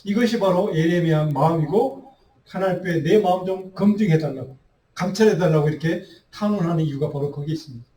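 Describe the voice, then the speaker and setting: High-voiced pastor in an echoey church. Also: male voice, quick pace, mellow. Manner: earnest, with many rhetorical questions. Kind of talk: midweek Bible study sermon. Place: church sanctuary. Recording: roomy echo, voice heard from a distance.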